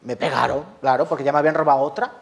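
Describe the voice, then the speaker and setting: A man's voice: mid-range voice, steady tone, very fast, creaky. A man with a Spanish accent from Spain preaching a sermon as a pastor, passionate, asking the congregation questions and answering them himself.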